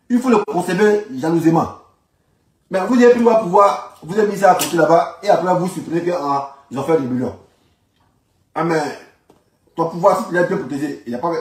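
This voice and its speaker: High-pitched Ivorian man, roomy distant recording. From Ivory Coast. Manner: emphatic, repetitive, indignant. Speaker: online political commentator. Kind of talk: informal spoken political rant. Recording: roomy echo, distant microphone.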